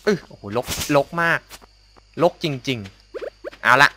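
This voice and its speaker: Young man, casual gameplay commentator, bright edgy tone, chatty and exclamatory, light noise floor. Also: takes it slowly. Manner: excitable, exclaims and mutters to himself, makes sound effects. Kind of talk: casual let's-play commentary.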